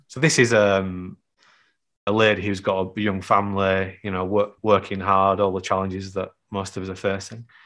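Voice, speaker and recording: A man talks in a fairly low voice with monotone, flat intonation. The background is quiet. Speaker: psychologist and leadership coach. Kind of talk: interview. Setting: video call.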